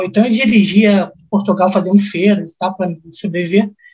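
A man's high-pitched voice at a fairly quick pace. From Rio de Janeiro, Brazil. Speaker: former emigrant telling his story. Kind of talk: radio interview.

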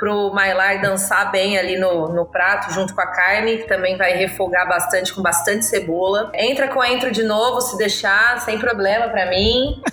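A woman with medium pitch talks at a fairly slow pace, with hardly any pauses and ordinary pitch variation. Audible room echo and noticeable background noise surround her voice. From interior of São Paulo state, Brazil (Ribeirão Preto). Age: 30s. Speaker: beer sommelier. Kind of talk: casual chat.

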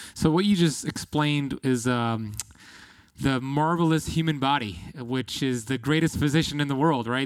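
On a very clean recording with a silent background, a man at medium pitch speaks in an ordinary speaking voice. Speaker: podcast host. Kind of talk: interview.

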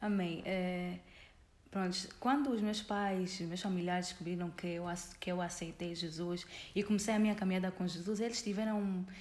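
Against noticeable background noise and audible room echo, a woman speaks at a moderate pace and medium pitch with fairly even intonation. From Angola. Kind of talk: testimony. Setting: studio, in person.

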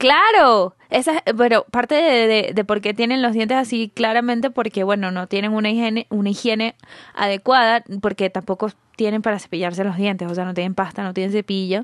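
In a plain, everyday voice, a woman talks at a fairly quick pace with a fairly high pitch and ordinary pitch variation, the sound dry and close with no echo over a quiet background. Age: 30s. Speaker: dentist on a volunteer trip. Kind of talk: casual chat.

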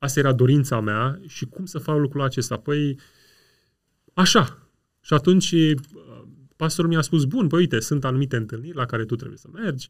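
A man with a fairly high pitch speaks at a moderate pace, somewhat breathy, with ordinary pitch variation, big swings in loudness and long, frequent pauses, on a very clean recording with a silent background. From Romania, Dâmbovița county. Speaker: theology professor. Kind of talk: casual interview, life story.

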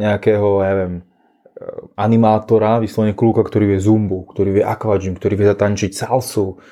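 A man's fairly low voice has a dark, mellow tone. He keeps a moderate pace and very even loudness. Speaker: podcast host and recruiter for resort entertainers. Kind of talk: casual interview.

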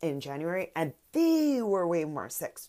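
In a Western Canadian accent, a woman with a dark, mellow tone and medium pitch speaks at a moderate pace with very wide pitch swings. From British Columbia, Canada. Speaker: podcast host. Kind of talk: solo podcast monologue.

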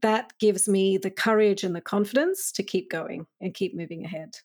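Recorded very cleanly against a silent background, a woman speaks with an Australian accent at a moderate pace. Her medium pitch stays in fairly even intonation. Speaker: lawyer and diversity advocate. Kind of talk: interview.

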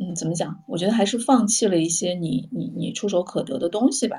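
A woman speaks at a fairly quick pace in a plain, everyday voice. Her pitch sits fairly low. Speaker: columnist. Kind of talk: casual chat. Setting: remote call across time zones.

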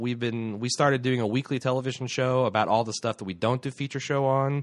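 Speaking at a fairly quick pace with fairly even intonation, a man has medium pitch and a plain, everyday voice. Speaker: podcast host. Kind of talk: casual podcast chat. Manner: casual, swears often.

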